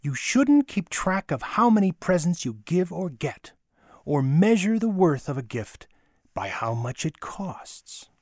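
A man voicing a small, romantic, earnest mother in a storybook reading, with slow, emphatic tenderness. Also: fairly high pitch, big pitch swings, dry recording, studio quality, voice pushed up. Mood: gently insistent. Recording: music under the voice.

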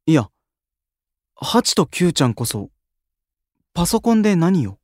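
A man playing a modest, sensitive young male idol in an anime-style audio drama, speaking softly and politely with some hesitance. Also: fairly high pitch, very animated, normal speed, no room sound, studio quality. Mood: surprised.

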